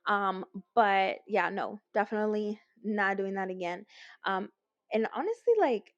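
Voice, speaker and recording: A woman's voice: mid-range voice, unhurried, dry recording, highs cut off. A young woman with a Los Angeles Latina accent, telling a casual storytime and acting out quotes with lots of fillers. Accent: Los Angeles Latina, mixes in Spanish. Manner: animated, acts out quotes, frequent fillers. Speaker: vlogger.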